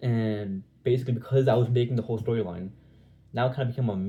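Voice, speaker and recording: Moving at a very fast pace, a man's medium-pitched voice has a dark, mellow tone, a somewhat breathy quality and fairly even intonation. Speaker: game developer, content creator. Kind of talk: casual storytelling vlog. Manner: fast, slurs words.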